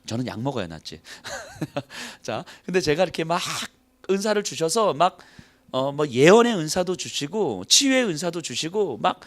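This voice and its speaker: A male pastor preaching a playful, animated sermon, acting out little quotes and laughing as he goes. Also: fairly high pitch, normal speed. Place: church hall.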